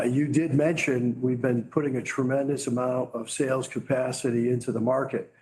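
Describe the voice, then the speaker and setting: A man's voice: mid-range voice, darkish tone, poor audio. A man speaking as a company executive, giving business commentary in answer to questions on an earnings call.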